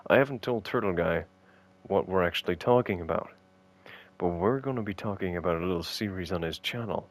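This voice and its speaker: Lowish voiced guy on a podcast, teasing his cohost, ranty and jokey. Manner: jokey, teasing, exasperated rants. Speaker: podcast co-host. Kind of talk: casual podcast chat.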